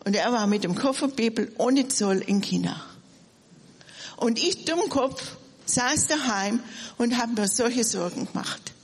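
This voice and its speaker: Husky woman preaching in a reverberant hall. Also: fairly high pitch, lively intonation, a little slow. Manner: storytelling, addresses listeners directly. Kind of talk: sermon testimony.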